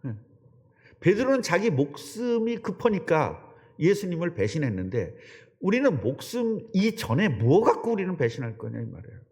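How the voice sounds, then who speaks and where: Animated middle-aged male pastor preaching. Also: sits high, moderate pace. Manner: animated, conversational, questioning the congregation. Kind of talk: sermon. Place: church sanctuary. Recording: long church hall reverb.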